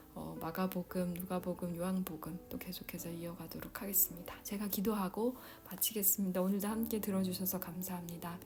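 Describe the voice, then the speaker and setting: A woman talks at a fairly quick pace with hardly any pauses, in a monotone, flat intonation. Noticeable background noise is present. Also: medium pitch for a woman. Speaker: pastor. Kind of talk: Bible reading with reflection and closing prayer. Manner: warm conversational.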